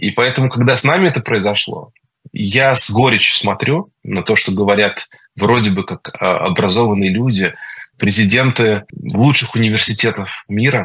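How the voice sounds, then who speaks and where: Bright and sharp in tone, a man talks at a moderate pace with a medium pitch and ordinary pitch variation. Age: 30s. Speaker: stand-up comedian. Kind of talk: interview.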